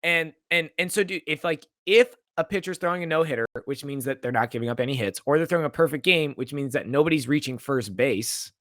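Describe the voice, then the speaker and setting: A young man co-hosts a podcast in easy, casual chat, his voice bright and lively as he jumps up and down in pitch. His stories run crude and joking. He sounds close and dry, with no room around him. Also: brisk, hardly any pauses, no room sound. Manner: animated storyteller, crude and joking. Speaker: podcast co-host.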